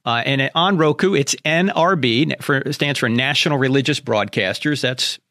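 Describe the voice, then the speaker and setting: A man's voice: medium pitch, moderate pace, bright, forceful tone, no echo, clean studio sound. A man with an American accent hosting a Christian radio talk show, addressing listeners directly in an emphatic, preacherly monologue with rhetorical questions.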